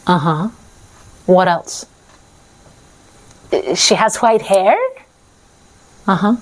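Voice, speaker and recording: A woman's voice: drawn-out words, rough recording. A woman voicing a suspicious, terse male mountain farmer in a told folk tale. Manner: low, wary, terse.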